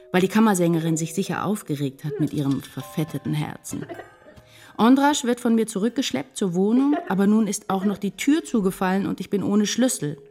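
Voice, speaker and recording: An actress playing an anxious, tender writer in love, narrating a literary radio drama in an intense, confessional way. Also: female voice, medium pitch, a little mellow, close to an everyday voice. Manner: intense, confessional first-person storytelling. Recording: music behind the voice. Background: music.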